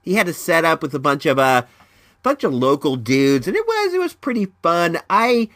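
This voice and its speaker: A man's voice: on the high side, normal speed, dry recording, clean studio sound. A man hosting his own podcast in casual rambling chat, his voice stuffed up from allergies. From Northern California. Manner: rambling, lots of restarts, animated ups and downs. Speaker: podcast host.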